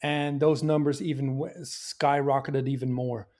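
A man from Belgium answers questions about his film in a mid-range voice. He talks earnestly and thoughtfully, often pausing with fillers and restarting his sentences. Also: medium pitch, flat delivery, a little mellow. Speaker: filmmaker. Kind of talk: interview answers.

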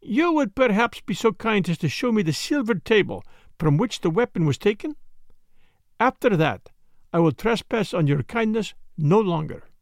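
A man's voice: high voice, very animated, dry recording, studio quality, pitched above the performer's own voice. A man voicing a polite, self-important Belgian detective with a French-speaking Belgian accent and mannered, precise phrasing, in a storybook reading. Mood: polite, pleased. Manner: mannered, deliberate, foreign phrasing.

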